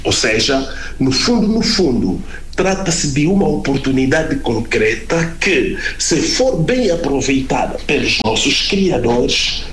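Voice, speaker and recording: A male economics professor explaining in an interview soundbite, deliberate and explanatory. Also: medium pitch, very animated, a bit bright. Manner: explanatory, deliberate, with some pauses. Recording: echoey field recording.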